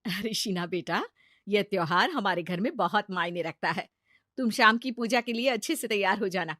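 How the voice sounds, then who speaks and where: A woman voicing a kind middle-aged mother-in-law who speaks softly and gently. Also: mid-range voice, expressive, unhurried, dry recording, studio quality. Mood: gentle.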